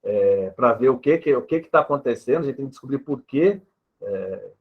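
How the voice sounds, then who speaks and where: This male speech therapist, who has a Brazilian Portuguese accent, answers an interview question with patient explanations, examples, and frequent tag-question "né"s. His mid-range voice is husky and animated at a moderate pace, captured in dull lo-fi sound.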